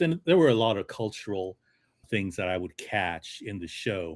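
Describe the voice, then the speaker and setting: An unremarkable speaking voice moves at a moderate pace with lively intonation. The recording is very clean with a silent background, and the sound is dry and close with no echo. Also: man. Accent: American. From Okinawa, Japan, then US from about six. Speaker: music composer. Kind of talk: podcast interview.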